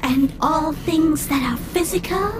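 A woman playing a menacing, taunting spirit in a fantasy audio drama, with theatrical, drawn-out, often breathy delivery. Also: high voice. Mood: taunting menace. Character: menacing, taunting, ancient spirit who hunts mortals.

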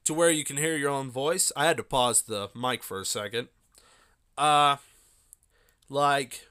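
A man's voice: medium pitch, a little slow, pushed and bright, clean tone. A young man hosting his own podcast, chatting casually and rambling with lots of fillers. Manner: rambling, loose with many fillers and asides. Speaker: podcast host. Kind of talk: casual solo podcast talk.

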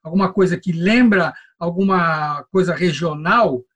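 Male voice teacher, conversational, halting explanatory delivery with repeated words. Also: high voice, a bit bright. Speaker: voice-over course teacher. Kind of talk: casual conversational interview.

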